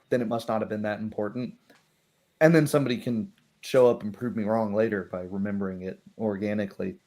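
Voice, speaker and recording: A man's voice: lowish voice, a little mellow. A man chatting casually as the game master of a roleplay group, rambling and interrupting himself. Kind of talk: casual post-game discussion.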